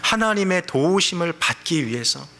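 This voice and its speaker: A man's voice: a little high, lively intonation, normal speed, pushed and bright. A male pastor giving a sermon in a conversational, storytelling way. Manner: conversational storytelling, acts out quoted voices.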